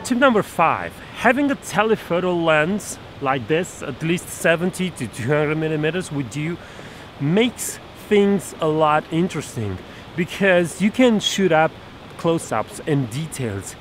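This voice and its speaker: A man's voice: fairly high pitch, big pitch swings, rough recording. A man in his thirties giving a photography tutorial to camera outdoors by a snowy forest stream, explaining step by step with fillers and restarts, filmed at arm's length. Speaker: photography instructor. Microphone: camera held at arm's length. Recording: outdoor recording with stream noise. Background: rushing stream water.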